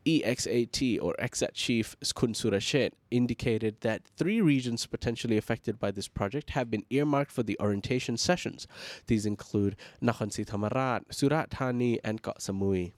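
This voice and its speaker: A man's voice: medium pitch, moderate pace, dry recording. A male host of a morning news show with a stuffed-up, nasal voice, reading the news fluently, then chatting loosely with fillers and restarts. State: congested, nasal voice. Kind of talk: reading news, then casual sign-off chat.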